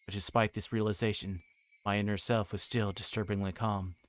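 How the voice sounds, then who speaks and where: A man's voice: fairly low pitch, little pitch movement, fairly quick. A man livestreaming a visual novel, reading first-person narration in a dramatic storytelling style.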